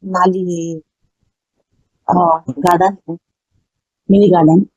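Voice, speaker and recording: A woman councillor with a Chhattisgarhi accent answering interview questions haltingly, searching for words. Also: lowish voice, level tone, a little mellow, slightly rough, dry recording, dull audio. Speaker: ward councillor being interviewed.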